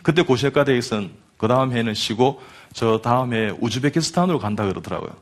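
A man's voice: medium pitch, fast talker. A man in his fifties, a doctor, giving a fervent Christian testimony to a studio audience, speaking emphatically and addressing listeners directly. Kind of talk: preacherly testimony speech.

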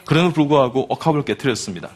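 A man's voice: medium pitch, lively intonation, very fast, breathy edge. A man in his fifties, a doctor, giving a fervent Christian testimony to a studio audience, speaking emphatically and addressing listeners directly. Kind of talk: preacherly testimony speech.

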